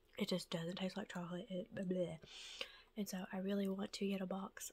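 In an American accent, a somewhat breathy voice speaks at a moderate pace with monotone, flat intonation. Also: woman, medium pitch for a woman. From United States. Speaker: ASMR creator. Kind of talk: ASMR eating video talking to camera. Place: home room.

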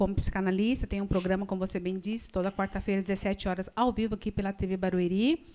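A woman talks at a fairly quick pace. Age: 50s. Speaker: TV presenter and psychoanalyst. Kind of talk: talk show interview. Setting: TV studio. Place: studio. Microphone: handheld.

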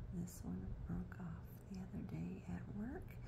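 Through loud background noise, a woman talks at a very slow pace. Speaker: ASMR creator. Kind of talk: ASMR nail filing video.

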